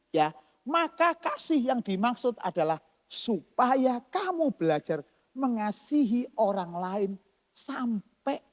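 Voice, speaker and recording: A man preaching a sermon as pastor, swinging between loud emphasis and soft asides. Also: high voice. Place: church hall. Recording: long church-hall reverb.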